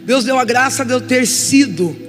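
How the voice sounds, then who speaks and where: A woman's voice: sits high, lively intonation, normal speed. Brazilian woman preaching in a reverberant hall. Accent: Brazilian Portuguese. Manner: emotional, swings from soft confession to loud exhortation. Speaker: guest preacher. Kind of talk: testimony sermon. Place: church hall. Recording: reverberant church hall with music.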